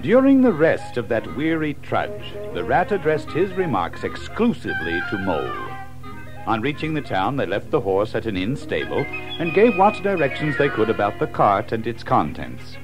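A man narrating a scripted children's story as an expressive storyteller. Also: mid-range voice, moderate pace, music in the background, low-quality recording.

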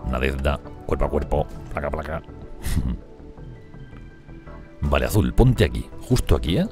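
A man commenting on a strategy game he is playing, talking fast and excitably, swearing and laughing often. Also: very deep voice, over music. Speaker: gameplay streamer.

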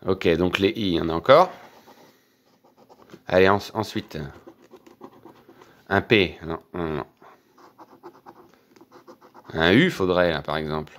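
A man, quietly commenting as he scratches lottery tickets for his channel. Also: sits low, slow pace, pauses often. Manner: quiet running commentary, excited when winning. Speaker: scratch-card vlogger.

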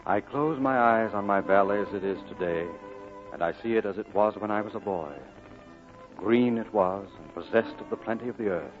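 An actor as a low-voiced, wistful old Welsh storyteller. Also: male voice, normal speed, lightly acted. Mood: nostalgic. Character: nostalgic old Welsh man remembering his boyhood. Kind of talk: 1940s radio drama narration. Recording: narrowband old radio broadcast with music.

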